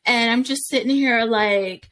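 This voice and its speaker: A woman's voice: on the high side, a little slow, fairly bright tone. A woman guest on a podcast, chatting casually in a rambling way, full of "like" and restarts, and laughing often. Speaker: podcast guest, comics creator.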